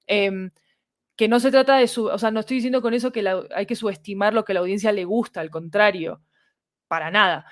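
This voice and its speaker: A woman's voice: medium pitch, a little fast, no room sound. Latin American woman explaining, dry close sound. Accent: Latin American Spanish. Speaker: podcast fiction producer, interviewed guest. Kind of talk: explanatory interview talk.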